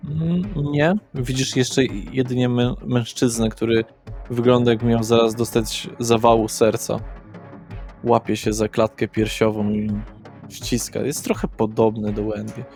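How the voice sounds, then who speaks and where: A man as game master, narrating a horror roleplay in measured, short descriptive phrases. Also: mid-range voice, flat delivery, a little mellow, soft background music.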